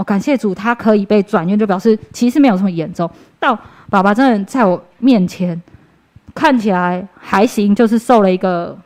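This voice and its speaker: A woman's voice: mid-range voice, darkish tone. A young woman with a Taiwanese Mandarin accent, giving a personal church testimony in an earnest, conversational way, with fillers and restarts.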